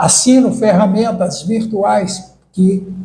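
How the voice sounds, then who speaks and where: A man with a high pitch and a dark, mellow tone talks at a very slow pace with fairly even intonation, with audible room echo. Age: 60s. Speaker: entrepreneurship teacher. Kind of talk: online video lecture.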